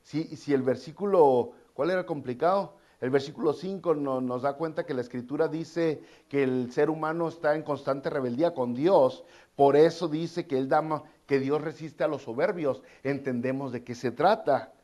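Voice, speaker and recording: Male pastor, fairly high voice, delivering a sermon in a loose, conversational way with casual asides. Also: moderate pace, mellow. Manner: conversational preaching with colloquial asides and repeated phrases.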